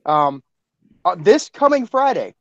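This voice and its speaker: A man co-hosting a podcast in casual chat, excitable and repeating himself. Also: high voice, unhurried, muffled recording, a little hiss or hum. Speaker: podcast co-host.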